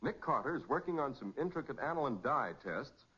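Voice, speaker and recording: A man's voice: mid-range voice, expressive, fairly quick, bright, forceful tone, slightly rough. An American man announcing and narrating in scripted 1940s radio style, dramatic and emphatic. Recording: muffled 1940s radio recording.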